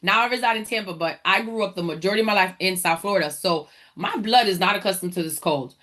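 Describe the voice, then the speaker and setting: A woman from the Dominican Republic hosts a motivational faith talk for entrepreneurs. She preaches with energy and calls her listeners y'all. Her voice sits at a middle pitch. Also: quick pace, a bit bright. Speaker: podcast host, entrepreneur.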